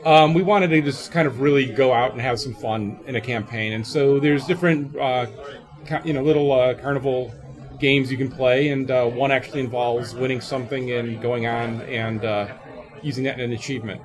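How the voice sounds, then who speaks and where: A man's voice: medium pitch, fairly even intonation, normal speed, music in the background. A man giving a casual, tongue-in-cheek interview as a game developer, recorded in an echoey hallway. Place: open convention hallway at a game table. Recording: echoey hallway with crowd chatter. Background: crowd noise from a convention.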